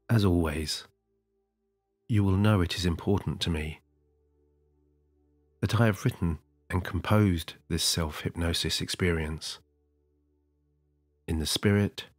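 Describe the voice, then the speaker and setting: In a slow, soothing, hypnotic cadence, a man with a very low, husky voice eases the listener toward sleep. He's recorded close and dry with no room sound, over a soft music bed playing quietly beneath.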